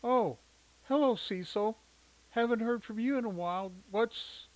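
A man's voice: sits high, a little slow, pitched above the performer's own voice, poor audio. A man voicing a weary 1970s mother, brusque but tender, in a raised, fretful voice. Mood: alarmed.

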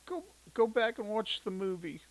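A man's voice: very animated, moderate pace, poor audio. A man doing a brusque, fretful 1970s mother. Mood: shaken. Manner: raised, fretful pitch. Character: Shirley, a weary 1970s mother, brusque and tender.

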